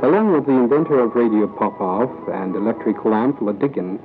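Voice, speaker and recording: A man narrating a documentary script in a measured, even reading. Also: medium pitch. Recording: tinny lo-fi audio with music underneath. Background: music bed.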